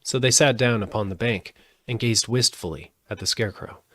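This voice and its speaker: A man reading a children's storybook aloud live, in an expressive narrating style. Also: fairly low pitch, moderate pace. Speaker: audiobook reader.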